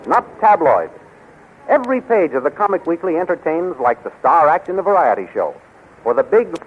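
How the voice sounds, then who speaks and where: A man as a dramatic, promotional announcer on a 1930s radio serial. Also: high-pitched. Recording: tinny, hissy 1930s radio recording.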